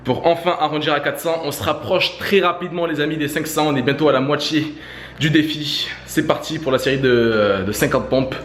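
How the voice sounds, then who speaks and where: High-voiced man vlogging between push-up sets. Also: fairly quick, fairly bright tone. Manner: addresses viewers as friends, urging and encouraging. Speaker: YouTuber doing a fitness challenge. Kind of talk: casual video chat to viewers. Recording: echoey room with faint background noise.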